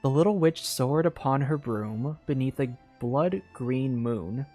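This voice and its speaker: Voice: mid-range voice, a little slow, warm tone. A streamer with a mid-range voice reads a game story aloud over music. The delivery is informal, mixing storybook narration with chatty asides and the odd repeated word. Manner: informal, self-commenting, stumbles and repeats words while reading. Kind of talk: casual livestream chat mixed with read-aloud storytelling.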